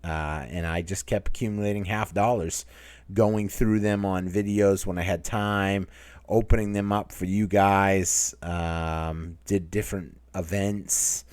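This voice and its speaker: A man's voice: sits low, steady tone, unhurried, darkish tone, clean tone, no room sound. A man with a Maine accent hosts a casual Q&A chat, rambling as he reads viewer comments aloud. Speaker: channel host.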